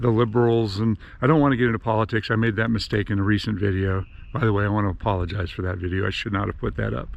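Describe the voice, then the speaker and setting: A man's fairly low voice with an American accent at a very fast pace. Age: 60s. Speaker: arborist. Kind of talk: casual monologue to camera. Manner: rambling with hesitations.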